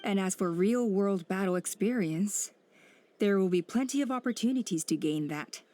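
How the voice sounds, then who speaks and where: An actress playing a female tribal elder who speaks calmly and deliberately, weighing each point. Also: medium pitch, natural voice. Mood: measured. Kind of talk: video game cutscene dialogue.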